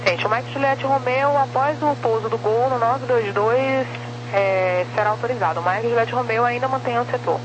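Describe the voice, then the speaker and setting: A woman's voice: on the high side, normal speed, muffled recording. A Brazilian woman working as an air traffic controller, giving clipped procedural instructions over the radio.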